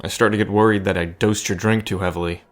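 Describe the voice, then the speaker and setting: Man playing a gentle, low-voiced, hesitant bartender. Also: fairly even intonation, quick pace, lightly acted. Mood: concerned, reassuring. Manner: hesitant, soft-spoken, earnest rambling. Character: gentle, nervous young man, bartender and math teacher. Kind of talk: intimate audio drama acting addressed to listener.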